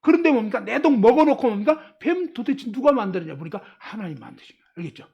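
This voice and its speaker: Woman preacher, higher-pitched and husky, animated delivery that quizzes the congregation. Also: quick pace, lo-fi sound. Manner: animated, asks the audience questions, acts out quotes. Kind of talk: sermon.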